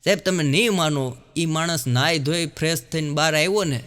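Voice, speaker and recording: A man's voice: fairly high pitch, a little fast, a bit bright, clear, resonant tone, in a large hall. A man telling stand-up jokes in a chatty way, often calling the audience sir. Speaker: comedian.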